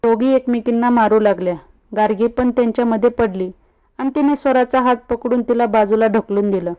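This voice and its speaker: A woman narrating a love story in an even, unhurried storytelling manner. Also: fairly high pitch, clean tone.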